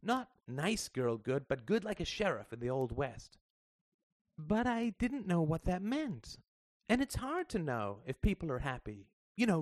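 A man's voice: a little high, no room sound, clean studio sound, voice pushed up. A man doing an earnest young schoolgirl. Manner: earnest, halting, searching for words.

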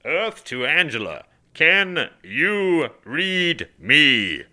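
A man's voice: a little high, huge pitch swings, takes it slowly, darkish tone, no echo, voice pushed up, heavily acted. A man voicing an oafish husband in a dramatic story, mocking and blustering with a wounded whine. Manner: goofy taunting, wounded whine.

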